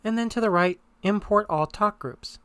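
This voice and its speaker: A presenter giving step-by-step software tutorial narration in an instructional, conversational manner. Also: medium pitch, moderate pace, smooth, dry recording.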